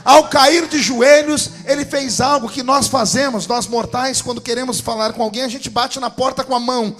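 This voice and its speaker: A pastor preaching a dramatic sermon in Brazilian Portuguese, telling a story that swells into shouting. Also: male voice, very high voice, fairly quick.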